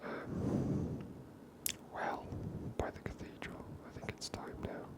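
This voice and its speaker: Whispering ASMR game host. Soft, hesitant, musing commentary, close mic. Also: slow pace. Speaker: gaming ASMR channel host.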